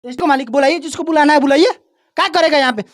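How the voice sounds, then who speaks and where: A woman reporter with a Bihari accent fires the same questions again and again. Her high voice scolds and badgers. She sounds confrontational throughout. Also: fast, dry recording, studio quality. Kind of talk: confrontational street interview.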